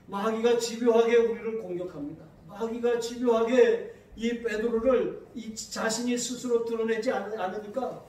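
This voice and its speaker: A pastor with a high voice preaches a sermon, recorded from a distance in a big, ringing church sanctuary. He reads scripture slowly and then shifts to lively anecdotes. The sound is very echoey, with slight background noise.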